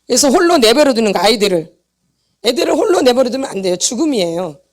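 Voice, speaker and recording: At a church meeting hall, a pastor's wife teaches a healing seminar in a high, fast voice with big pitch swings. Emphatic, she forcefully repeats each point and quizzes the congregation with short questions before answering them herself.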